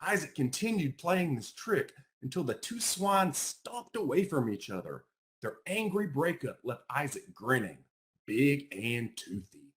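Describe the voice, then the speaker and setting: A man reading a children's picture book aloud in an expressive storytelling style, as its author. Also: medium pitch.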